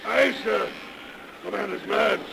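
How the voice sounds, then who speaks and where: A pleading sailor speaks in an extremely high, gravel-edged voice. He is urgent and melodramatic, with archaic seafaring diction, as in a 1930s radio play. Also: slow, exaggerated voice. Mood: protesting. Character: alarmed, pleading sailor, the captain's mate. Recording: noisy 1930s radio broadcast recording.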